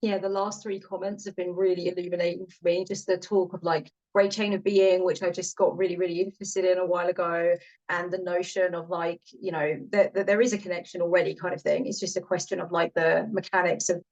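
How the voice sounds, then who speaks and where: A woman's voice: on the low side, little pitch movement, brisk, darkish tone, dull audio. A woman on a panel, eager and thankful, thinking aloud about how the discussion struck her. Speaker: panel guest.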